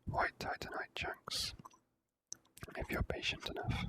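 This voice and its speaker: A person whispering relaxed, unhurried ASMR commentary while playing a video game.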